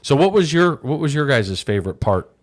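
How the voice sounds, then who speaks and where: A man hosting a live radio talk show, telling stories loudly and with energy. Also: mid-range voice, a little fast, dry recording. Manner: loud, energetic storyteller. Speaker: radio host. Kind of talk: casual chat.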